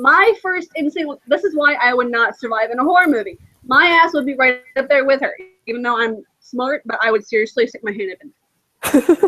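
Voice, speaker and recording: Raised and projected, a woman's high voice runs at a fairly quick pace with lively intonation and an animated tone, in a dry, close sound with no echo. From US South. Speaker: online show host. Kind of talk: casual chat.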